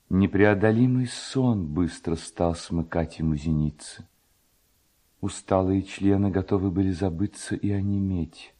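A man narrating a literary folk tale in an audiobook style, with a hushed, lyrical and dramatic storytelling delivery. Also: low voice, breathy edge.

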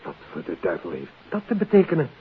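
A man's voice: low-pitched, huge pitch swings, fast talker, husky, exaggerated voice. A Dutch actor playing a baffled, agitated man in a 1950s radio play. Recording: thin, narrow-band 1950s radio recording.

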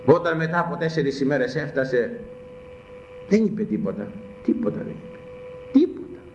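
A man's voice: a little high, expressive, a little hiss or hum. A man preaching a sermon, emphatic, firing repeated rhetorical questions at his listeners. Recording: echoey muffled room recording with faint ambience.

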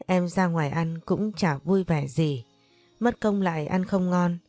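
A woman's voice: on the low side, unhurried, warm tone, no echo, soft background music, lightly acted. A woman narrator voicing a young husband who talks to his wife in a reassuring, offhand way. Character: young husband, protective and self-assured.

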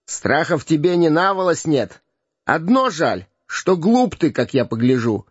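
A man's voice: on the high side, very animated, measured pace, breathy edge, dry recording, pitched above the performer's own voice, exaggerated voice. A man voicing a sly, bossy beggar boy who wheedles and bullies by turns. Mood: scornful. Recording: dull, dry lo-fi recording.

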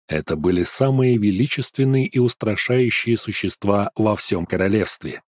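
Man, audiobook narrator, low voice, steady even reading, dry close recording. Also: dry recording. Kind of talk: scripted first-person fantasy narration.

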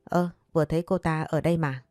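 A woman's voice: low voice, steady tone, quick pace, dark tone, dry recording, faint music behind, close to an everyday voice. A woman voicing an older female exorcist who gives orders but is easily rattled. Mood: flustered. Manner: commanding then flustered. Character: older female exorcist, bossy then panicky.

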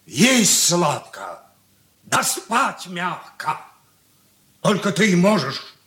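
Older merchant patriarch, stern then broken, unhurried, radio drama. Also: male voice, high-pitched, huge pitch swings, bright, forceful tone, exaggerated voice. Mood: scolding. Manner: slow, heavy, brooding delivery. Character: aging stern merchant father, weary and grief-worn. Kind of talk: 1980s studio radio drama acting.

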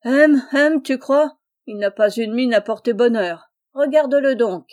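A woman reading aloud and voicing a brusque, hearty middle-aged farmer, gruff and booming at times. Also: normal speed, a little mellow, close to an everyday voice. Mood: jovial.

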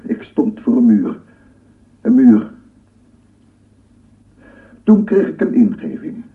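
Obsessive scientist, wildly animated delivery. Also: male voice, mid-range voice, takes it slowly, distant mic. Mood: intent, precise. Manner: formal, rhetorical, repeats phrases. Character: obsessive male scientist lecturing on sounds, fervent, wondering. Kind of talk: radio drama lecture monologue. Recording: muffled phone-like radio play recording, off-mic.

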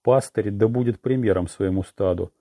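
A smug, sanctimonious male preacher who lectures self-righteously, as a male audiobook narrator puts him on. The tone is low and dark. It is recorded dry and close. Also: moderate pace, no room sound. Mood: pious.

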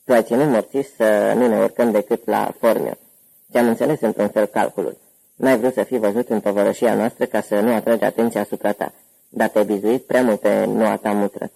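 A man voicing a hoarse, corpulent older gangster uncle who talks boisterously and at length. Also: lowish voice, level tone, dark tone, rough recording. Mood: jovial.

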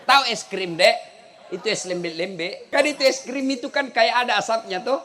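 A middle-aged male preacher, giving a humorous religious lecture and telling stories with shouts and laughter. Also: very high voice, moderate pace, a faint crowd. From South Sulawesi. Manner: animated storytelling, bursts into shouts and laughter.

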